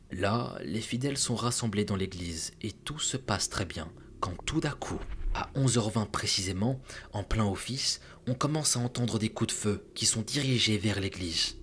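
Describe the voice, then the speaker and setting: A man's voice: on the low side, a little hiss or hum. A man narrating a true crime story in a casual, chatty way, talking straight to his viewers with joking asides.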